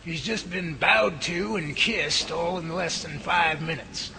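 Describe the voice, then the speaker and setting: A man playing a composed, patient professor who leads a research team and explains things in a measured way in an amateur radio drama. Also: fairly high pitch, vocal fry, crowd noise, poor audio. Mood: hospitable.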